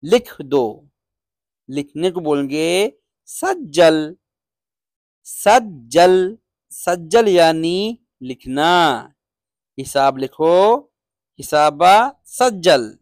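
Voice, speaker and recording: Very slow, deliberate male language teacher. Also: a little high, lively intonation, dry recording, clean studio sound. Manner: repeats each word slowly and explains its meaning. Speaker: Arabic teacher. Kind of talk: beginner language lesson.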